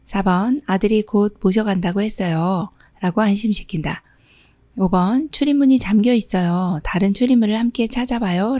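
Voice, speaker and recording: A woman's voice: medium pitch, mellow, dry recording. A middle-aged woman instructor reads out exam questions and patiently explains each answer. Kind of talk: exam question walkthrough lesson.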